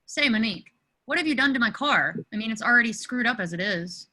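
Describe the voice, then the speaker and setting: A woman's voice: fairly high pitch, expressive, fast, pushed and bright. A woman playing a hapless, self-deprecating teenage boy in an amateur script read over a video call. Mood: self-deprecating, awkward.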